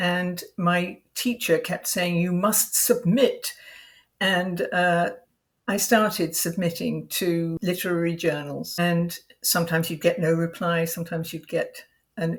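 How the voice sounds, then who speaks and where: A woman talks fairly slowly, her intonation fairly even and her voice somewhat breathy. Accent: American. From England. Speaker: writer. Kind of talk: interview.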